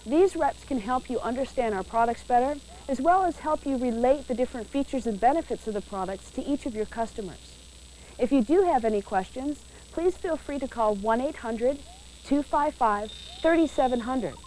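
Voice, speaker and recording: A woman narrates a training video in a clear, measured, instructive voice that sits slightly high. The sound comes from a worn VHS tape copy, with a faint hiss behind her. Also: dark tone, rough recording.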